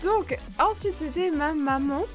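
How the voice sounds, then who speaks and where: Une femme qui commente sa vidéo sur un ton de vlog décontracté. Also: female voice, sits high, measured pace, faint music behind. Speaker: video host.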